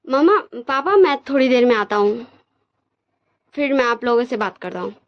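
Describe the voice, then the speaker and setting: A woman's voice: fairly high pitch, expressive, moderate pace, close to an everyday voice. A woman voicing a timid young married man who stammers and pleads, tearful and scared, in a dull lo-fi recording. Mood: firm angry.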